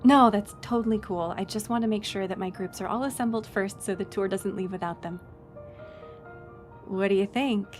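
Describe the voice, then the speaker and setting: A woman's voice: medium pitch, normal speed, faint music behind, close to an everyday voice. A woman playing a friendly, chatty young docent at a historic house in an audio roleplay, casual and upbeat as she talks to the listener. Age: young adult. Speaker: museum tour guide. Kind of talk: audio roleplay, one-sided conversation with listener.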